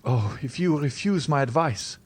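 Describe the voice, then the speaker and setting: A man's voice: fairly high pitch, expressive, normal speed, slightly rough, pitched above the performer's own voice. A man voicing a proud, desperate young lover, bitterly devoted, speaking with formal, earnest intensity in an audiobook. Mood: urgent, ardent. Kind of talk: dramatized audiobook reading of a classic novel.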